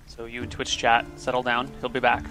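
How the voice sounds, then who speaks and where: An American man running a livestreamed tabletop game as game master, relaxed and chatty, thinking aloud with plenty of ums. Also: medium pitch, fairly quick, soft background music, low-quality recording. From United States.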